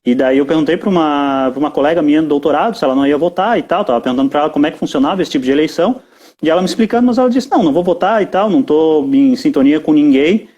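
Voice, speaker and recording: A man's voice: a little high, lively intonation, racing, a little mellow. A young Brazilian man in a casual live chat, often repeating words as he talks. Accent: Brazilian Portuguese. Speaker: guest.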